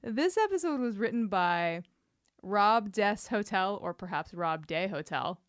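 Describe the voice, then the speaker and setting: A woman's voice: mid-range voice, a little slow, dry recording. Dry, playful woman podcaster, close sound. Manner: dry, playful deadpan joking. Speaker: podcast co-host. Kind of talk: casual banter about a TV show.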